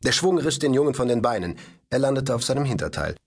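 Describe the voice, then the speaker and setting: Male audiobook narrator: husky, lively intonation, mid pitch, scripted reading. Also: fast talker. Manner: expressive, varied storytelling delivery.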